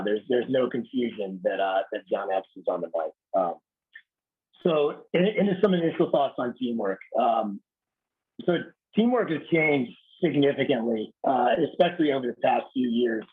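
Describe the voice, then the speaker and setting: A raspy-voiced man in his thirties, a military officer giving a blunt, casual leadership talk over a video call. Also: mid-range voice, narrow, tinny audio. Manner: blunt, casual, swears lightly. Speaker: Marine Corps officer speaking to a unit.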